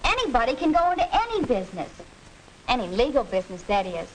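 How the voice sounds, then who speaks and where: A young woman playing a confident high school student lecturing her classmates, in 1940s educational film acting, on a hissy old film soundtrack. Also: very animated, quick pace, low-quality recording.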